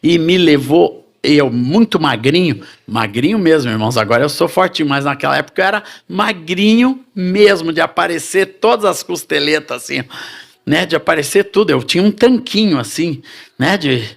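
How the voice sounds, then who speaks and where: A middle-aged Brazilian man telling his conversion testimony in a sermon, animated and addressing the congregation as brothers. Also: fairly high pitch, normal speed, vocal fry. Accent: Brazilian Portuguese. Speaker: preacher giving testimony.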